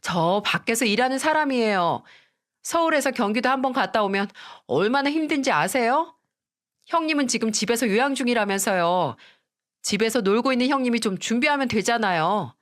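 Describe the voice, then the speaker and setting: Sneering young sister-in-law, high and snippy, put on by a woman narrator; storybook radio drama. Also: animated, brisk, lightly acted. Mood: dismissive. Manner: sleepy, dismissive and mocking.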